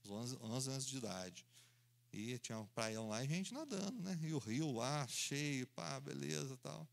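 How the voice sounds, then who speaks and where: A man, preaching in an animated storytelling style, acting out voices and sounds and laughing along as he goes. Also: mid-range voice, normal speed, gravelly. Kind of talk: storytelling sermon.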